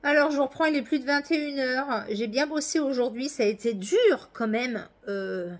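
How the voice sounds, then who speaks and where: A woman's voice: high-pitched, normal speed. A middle-aged woman chatting casually in a home vlog, rambling with many hesitations. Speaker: vlogger. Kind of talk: casual daily vlog chat. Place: at home indoors.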